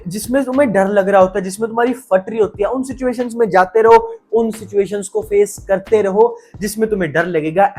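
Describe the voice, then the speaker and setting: A young man giving energetic, emphatic motivational advice in a casual vlog, repeating words for stress and using slang. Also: high voice, husky. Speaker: self-improvement YouTuber.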